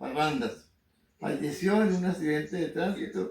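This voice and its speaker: Fairly slow delivery with ordinary pitch variation. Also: man. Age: 70s. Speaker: grandfather sharing memoirs. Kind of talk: memoir reading.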